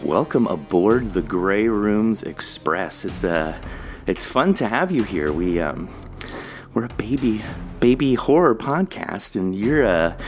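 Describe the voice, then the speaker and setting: A man's voice: on the low side, very animated, slow. A man hosting a podcast in a conversational, enthusiastic interview style. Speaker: podcast host.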